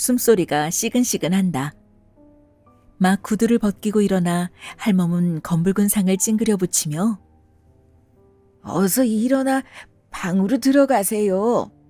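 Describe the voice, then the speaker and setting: Speaking at a very slow pace with long, frequent pauses, a woman keeps her loudness very even and uses ordinary pitch variation. The sound is dry and close with no echo, and music plays in the background. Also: medium pitch for a woman. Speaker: audiobook reader. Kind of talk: audiobook narration of a short story, read aloud for sleep listening.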